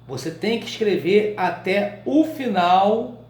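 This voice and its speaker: Animated Brazilian male teacher, echoey room. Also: sits high, slow pace. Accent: Brazilian Portuguese. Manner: checks in often with short questions to students; colloquial, animated explaining. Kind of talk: live online writing class.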